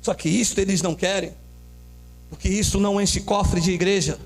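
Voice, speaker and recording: A man preaching a sermon as pastor, swelling into shouted climaxes. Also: high-pitched, fairly even intonation, fairly quick, faint music behind.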